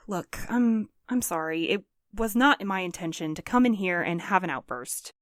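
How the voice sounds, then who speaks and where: A woman's voice: lowish voice, expressive, a little slow, no echo, clean studio sound. A woman in an audio drama playing a bitter, guarded courier, hurt and sarcastic. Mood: weary, conciliatory. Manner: sarcastic, cutting.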